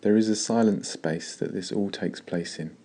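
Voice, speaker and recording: A man leading a guided meditation in a slow, calm, gentle way with long pauses. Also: on the low side.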